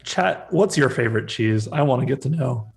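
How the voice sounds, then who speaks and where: A man's voice: medium pitch, lively intonation, normal speed, vocal fry, soft background music. A man co-hosting a live stream, chatting casually, laughing often and reading out viewer comments as he works. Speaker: livestream co-host. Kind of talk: casual live-stream chat while working.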